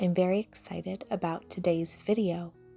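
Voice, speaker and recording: A woman's fairly low voice with faint music in the background. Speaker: makeup content creator. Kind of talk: ASMR unboxing. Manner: whispered. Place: home room.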